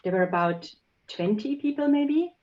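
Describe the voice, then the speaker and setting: A woman's voice: on the high side, animated, moderate pace, dull audio. A woman from Germany, a native German speaker, chatting as a podcast guest about her career in translation technology, with frequent ums. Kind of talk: casual interview chat.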